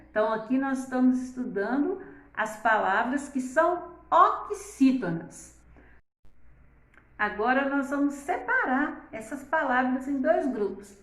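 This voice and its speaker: A woman teacher giving a grammar lesson, reading words slowly and stretching their stressed syllables, often asking "né?". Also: high-pitched, fairly bright tone, roomy sound. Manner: uses the diminutive "palavrinha" and "né?". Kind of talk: slow, careful grammar lesson.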